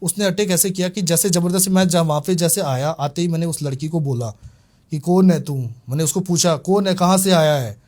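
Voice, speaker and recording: Man telling a spirit encounter, fairly high voice. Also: brisk. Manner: animated retelling, voices other people's lines. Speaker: exorcist recounting a case. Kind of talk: storytelling interview.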